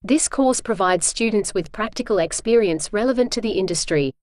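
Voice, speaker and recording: A woman's voice: medium pitch, expressive, fairly quick, a little mellow, no echo. A woman reading scripted practice sentences aloud for an English exam lesson.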